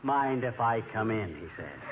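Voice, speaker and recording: A man playing a boastful, excitable middle-aged husband in 1940s radio comedy, heard through an old AM radio broadcast. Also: on the low side, narrow, tinny audio, background noise. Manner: blustery, bragging, quick comebacks. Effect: old AM radio broadcast sound. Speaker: radio sitcom lead.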